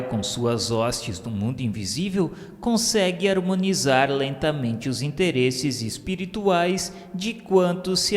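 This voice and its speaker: A man with a Brazilian accent reading a solemn scripted radio drama narration in formal, measured literary diction. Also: mid-range voice. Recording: long reverb, music under the voice.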